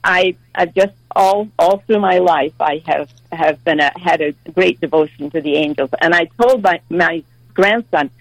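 A woman of ninety calling in to a radio show, halting and repeating words as she chats. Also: fairly low pitch, no echo, rough recording. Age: 90s. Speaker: caller. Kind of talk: phone-in chat.

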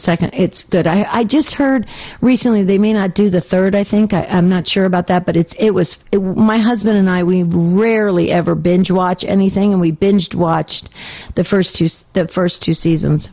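A woman's voice: lowish voice, moderate pace, mellow, highs cut off. A woman hosting a call-in radio show in a casual, enthusiastic and affirming way, her voice slightly scratchy.

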